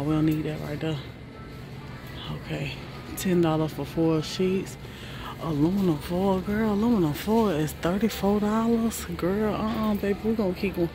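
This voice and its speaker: A woman vlogging while she shops in a large warehouse store, chatting to viewers and exclaiming over prices. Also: on the low side. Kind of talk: casual shop-with-me narration. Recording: noisy store background. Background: store noise.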